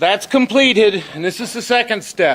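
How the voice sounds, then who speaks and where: A man's high voice, with lively intonation, at a fairly slow pace. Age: 60s. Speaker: slate and metal roofer. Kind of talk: live tool demonstration to an audience. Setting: conference hall. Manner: casual, conversational.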